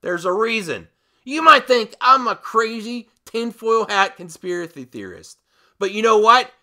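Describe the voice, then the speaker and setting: A man hosting an opinionated movie commentary, with a very bright, forceful voice pitched a little high. He speaks slowly and emphatically, breaking his points up with dramatic pauses and repeating phrases to drive them in. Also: lively intonation. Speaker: host of a movie commentary channel. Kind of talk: opinionated video commentary rant.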